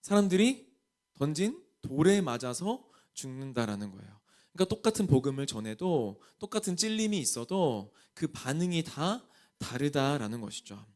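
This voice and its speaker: Man, pastor, Jeolla accent, sermon, fairly high voice, animated pitch, asks the congregation questions. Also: moderate pace. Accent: Jeolla Korean. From Jeolla region, Korea. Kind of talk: sermon to a young adults group.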